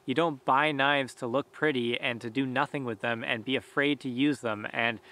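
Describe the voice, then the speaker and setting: A man in his thirties, a bushcraft channel host, talking casually to camera outdoors in a forest, relaxed and conversational with plenty of fillers. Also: mid-range voice, moderate pace. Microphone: camera at close range.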